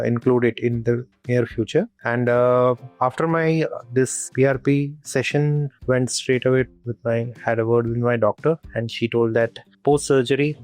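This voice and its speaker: A man with a Kashmiri Indian accent gives a casual video testimonial as a patient, speaking in a halting, repetitive way. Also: medium pitch, darkish tone, dry recording. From Srinagar, Kashmir, India.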